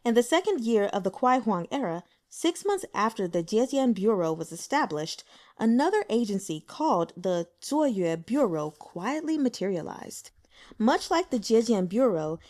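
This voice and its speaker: A woman narrating a novel as an audiobook, with an expressive, animated delivery. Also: medium pitch.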